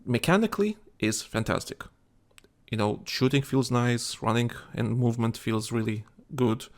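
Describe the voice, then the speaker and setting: A man's voice: mid-range voice, normal speed. A tired man co-hosting a casual gaming chat show, rambling with many restarts and fillers. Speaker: podcast co-host.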